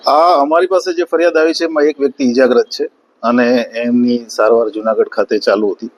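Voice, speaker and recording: A man giving a formal police statement, measured and hesitant between phrases. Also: medium pitch, steady tone. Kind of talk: official press statement.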